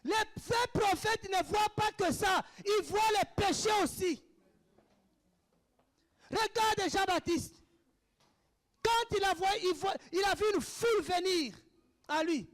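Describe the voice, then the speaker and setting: Fervent male preacher, very high voice, mixes shouts with quiet asides. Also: slow pace, long pauses. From Africa. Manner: impassioned, swings between shouted declarations and hushed asides. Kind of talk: sermon answering questions.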